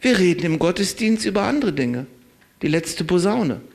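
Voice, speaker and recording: A man preaching a sermon in a conversational, emphatic way. He chuckles at his own points, stretches key words out slowly and drops into quiet asides. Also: high-pitched, sing-song, creaky.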